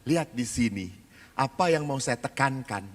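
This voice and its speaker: A man, a Catholic priest, giving a lively seminar talk and acting out the voices in his stories. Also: medium pitch, moderate pace. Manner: animated storyteller, acts out quoted voices. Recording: reverberant hall.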